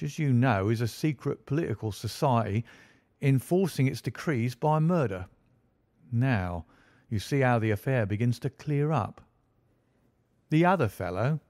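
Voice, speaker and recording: A man's voice: mid-range voice, a little mellow, dry recording, studio quality. A man reading aloud and voicing a brash, self-satisfied police inspector who boasts and insists on his own theory.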